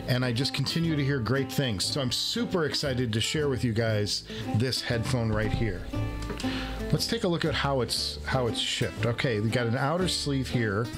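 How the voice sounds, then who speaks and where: A man hosting a headphone review show, chatting casually and excitedly to viewers, joking and repeating phrases for emphasis. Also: medium pitch. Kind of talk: casual unboxing vlog talk to viewers.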